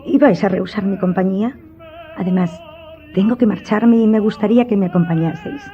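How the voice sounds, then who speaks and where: A woman's voice: mid-range voice, brisk, natural voice. A woman playing a superstitious, imperious countess in a radio drama, speaking in a formal, dramatic, insistent way. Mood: insistent, uneasy. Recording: dull recording with background music.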